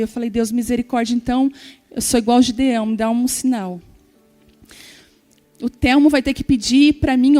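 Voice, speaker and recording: A woman's voice: sits high, darkish tone. A woman preaching a sermon, telling a personal story and acting out the dialogue as she speaks to the congregation. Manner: storytelling, acting out dialogue, addressing the audience directly.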